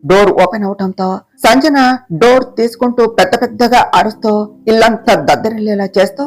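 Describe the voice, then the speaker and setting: A woman storyteller narrating a serial family story in a steady, dramatic way. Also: a little high, brisk. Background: faint guitar music.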